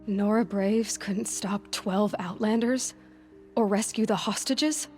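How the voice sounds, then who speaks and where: An actress playing a blunt young tribal warrior in a video game, with a husky, breathy voice and a direct, restrained way of asking. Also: female voice, mid-range voice, takes it slowly, a little mellow, lightly acted. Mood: puzzled, probing. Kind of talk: naturalistic video game acting. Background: music.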